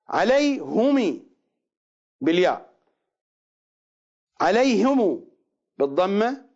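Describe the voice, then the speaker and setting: A man lecturing on readings of scripture, drawing out each recited word slowly and then rushing through his asides. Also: sits high, dull audio. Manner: slow deliberate recitation of words, then quick asides. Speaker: religious lecturer.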